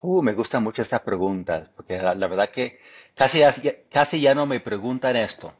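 A man from Detroit with an American English accent, a guest speaking Spanish as a second language, pausing and restarting often as he recounts. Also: medium pitch, animated, breathy edge, dull audio. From Detroit, United States. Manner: thoughtful, halting, many fillers and restarts. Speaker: guest historian. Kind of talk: interview conversation.

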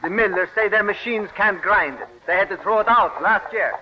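An actor playing a resentful, worried farmer in an old radio drama. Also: male voice, sits high, a little fast, lightly acted. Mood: bitter. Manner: resentful, complaining. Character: bitter worried male wheat farmer. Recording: dull lo-fi old radio recording with faint hiss.

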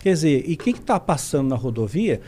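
A man's voice: a little high, a little fast. A man with a Brazilian accent telling a story in casual chat, acting out voices as he goes. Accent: Brazilian Portuguese. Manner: animated, acts out quotes. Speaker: podcast guest.

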